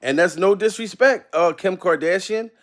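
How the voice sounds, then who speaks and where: A man's voice: high voice, normal speed, a bit bright, a little hiss or hum. A man in his forties giving loose, profane reaction commentary, laughing often and asking "you know what I mean" again and again. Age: 40s.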